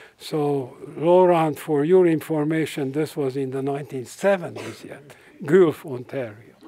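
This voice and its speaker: A man with a Hungarian accent speaks at a fairly slow pace. His pitch is fairly high, and his loudness swings widely. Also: ordinary pitch variation. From Hungary. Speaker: lecturer on soccer history. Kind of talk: lecture. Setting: museum talk with audience.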